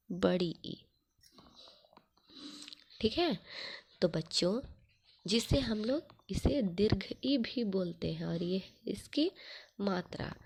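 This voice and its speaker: Slow, gravelly-voiced woman teacher. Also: mid-range voice. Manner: slow, patient explaining with repeated checks. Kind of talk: grade-one Hindi grammar lesson.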